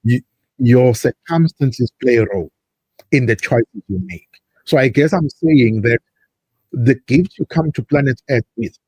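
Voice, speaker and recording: A man's voice: mid-range voice, a little mellow, husky, no echo, poor audio. A man from South Africa, a guest on a talk show, speaking at length in an expansive, speechifying way. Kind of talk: talk-radio interview.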